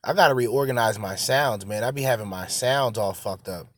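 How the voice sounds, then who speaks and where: A man who is high on cannabis, hosting a casual unscripted monologue in a slangy, profane stoner drawl with trailing pauses. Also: dry recording. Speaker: solo show host.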